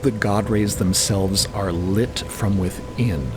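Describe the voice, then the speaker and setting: A man's voice: fairly low pitch, slow, over music. A man narrating a fiction podcast in an evocative, descriptive storytelling style.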